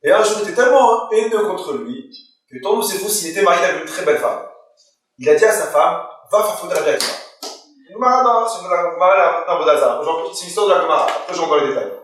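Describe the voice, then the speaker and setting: A man's voice: high-pitched, expressive, quick pace, a bit bright. A man, a rabbi, telling a story during a Torah lesson to listeners, voicing the people in it and putting questions to the room. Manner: retells the story with quoted dialogue and questions to listeners. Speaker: rabbi teaching a Torah class. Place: hall or study room with listeners. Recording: very echoey room, voice far from the mic.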